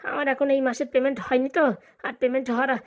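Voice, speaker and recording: Lady doing a nervous village groom guy, high voice, stammers and pleads, cartoon comedy. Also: level tone, racing, natural voice. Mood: wheedling. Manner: stammering, hesitant, deferential. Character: nervous, pleading, balding young village bridegroom. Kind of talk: comic cartoon dialogue.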